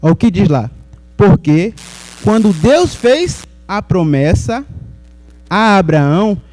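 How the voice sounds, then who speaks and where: A man's voice: high-pitched, dark tone, poor audio. A man from Salvador, Brazil, preaching a sermon in a conversational way and putting questions to the congregation.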